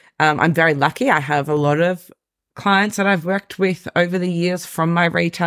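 A woman with a normal speaking voice talks at a moderate pace and fairly low pitch with fairly even intonation, in a dry, close sound with no echo on a very clean recording with a silent background. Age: 30s. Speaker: style coach. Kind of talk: casual chat.

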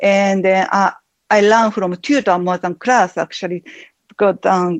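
A woman speaks at a fairly slow pace with a Japanese accent. The sound is dry and close, with no echo. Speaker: aspiring life coach. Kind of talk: coaching conversation. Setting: online audio room. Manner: halting.

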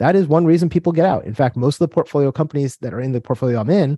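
A man talks at a very fast pace in a somewhat breathy, dark, mellow tone with lively intonation, the sound dry and close with no echo against a quiet background. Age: 40s. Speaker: online course business owner and instructor. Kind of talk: workshop presentation. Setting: video call.

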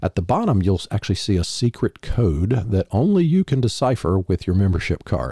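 A man speaks in a dark, mellow tone at a fairly low pitch, somewhat breathy, with lively intonation and a fairly quick pace. The recording is very clean and dry, close with no echo, and the background is silent. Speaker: podcast host. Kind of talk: dramatic narration of a story, building to a climax; solo podcast monologue, teaching. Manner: animated, theatrical, suspenseful pacing; conversational, friendly, with filler words.

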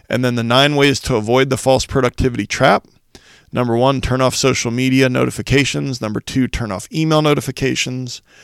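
An unremarkable speaking voice, a man talks at a fairly quick pace in a medium pitch with fairly even intonation, recorded dry and close with no echo. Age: 50s. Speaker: podcast host for school leaders. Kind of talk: solo podcast monologue. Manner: conversational with frequent fillers.

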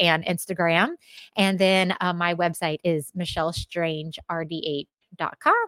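A woman speaks in a normal speaking voice at a fairly low pitch, with fairly even intonation. The recording is very clean, with a silent background and a dry, close sound with no echo. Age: 40s. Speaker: dental hygienist and educator. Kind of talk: casual chat. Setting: podcast recording.

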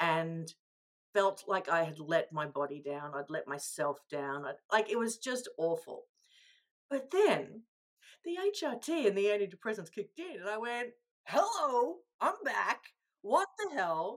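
A woman with an Australian accent speaks at a fairly slow pace in a medium pitch, her voice making very wide pitch swings and broken by long, frequent pauses. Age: 40s. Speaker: journalist and TV presenter. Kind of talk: interview. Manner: animated.

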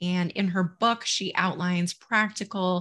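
Against a quiet background, a woman with an American accent and an unremarkable speaking voice talks at a moderate pace. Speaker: podcast host. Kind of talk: interview.

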